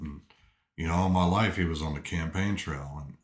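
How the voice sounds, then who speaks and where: Speaking at a moderate pace with an Appalachian accent, a man has a very deep, low pitch. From Raleigh County, West Virginia. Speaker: attorney. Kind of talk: interview answer.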